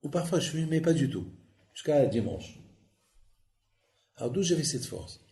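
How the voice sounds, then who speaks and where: Gravelly-voiced rabbi giving a sermon. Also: male voice, a little high, normal speed. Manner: lively storytelling, acts out dialogue. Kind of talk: sermon with anecdotes. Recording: echoey hall with faint noise.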